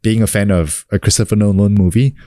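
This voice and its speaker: A very low-voiced man in his thirties from New Zealand talks through a casual interview. He keeps it relaxed, leaning on fillers and restarting his sentences. The sound is dry and close. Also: a little fast, no room sound. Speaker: guest, actor and coach.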